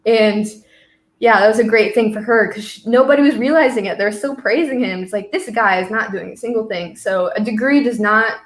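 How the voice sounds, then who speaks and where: A woman's voice: fairly high pitch, brisk. A young American woman in her twenties, a college student guest, telling a story casually with lots of fillers. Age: 20s. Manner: rambling, filler-heavy storytelling. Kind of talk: casual conversation. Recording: roomy echo.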